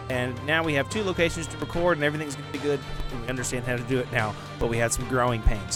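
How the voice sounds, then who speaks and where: Highish-voiced male podcast host over music. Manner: informal, apologetic, rambling. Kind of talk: casual podcast sign-off.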